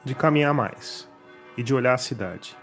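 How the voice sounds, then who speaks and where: A man's voice: medium pitch, normal speed. A Brazilian man hosting a podcast, reading scripted documentary narration over a music bed.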